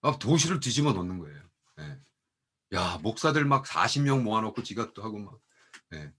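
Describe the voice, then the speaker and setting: A middle-aged man, a pastor and mission professor, telling testimony stories in an animated way and acting out the people he quotes. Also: on the low side, normal speed, husky. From Korea. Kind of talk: storytelling testimony talk.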